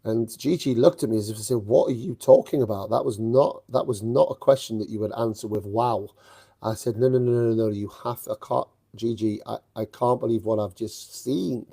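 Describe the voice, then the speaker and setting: A man's voice: medium pitch, moderate pace, creaky, warm tone, husky. A man with a mild northeastern English accent, a tennis podcast host telling stories with enthusiasm and plenty of fillers. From northeast England. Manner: enthusiastic storytelling with frequent fillers. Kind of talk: live podcast chat.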